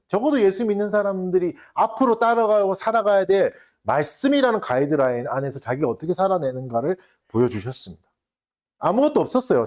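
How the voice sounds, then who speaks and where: Animated Korean pastor preaching. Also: male voice, sits high. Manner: rhetorical questions to the congregation, acting out quoted taunts. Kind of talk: sermon.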